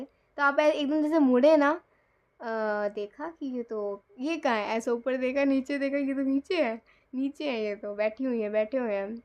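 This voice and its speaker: Woman tarot reader, chatty storyteller, slightly high voice, acts out dialogue. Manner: chatty, animated, acts out quoted lines, laughs often. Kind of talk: casual storytelling tarot reading.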